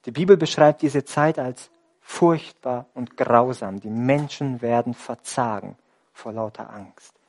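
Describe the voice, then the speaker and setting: Male preacher swinging from loud to whispered. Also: medium pitch, measured pace. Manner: dramatic swings from loud emphasis to near whisper; rhetorical questions to the congregation. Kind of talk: sermon.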